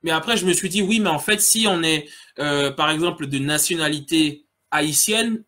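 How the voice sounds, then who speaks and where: A fairly high-pitched man from French Guiana, speaking at a normal speed in a pushed, bright voice, hosts a casual solo podcast. He reads out comments from listeners and talks to them earnestly and directly.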